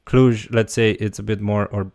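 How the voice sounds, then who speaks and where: A man's voice: fairly low pitch, steady tone, moderate pace, darkish tone, no echo. A man teaching a language, answering viewer questions in a casual livestream and thinking aloud as he goes. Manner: loose, talks while thinking aloud.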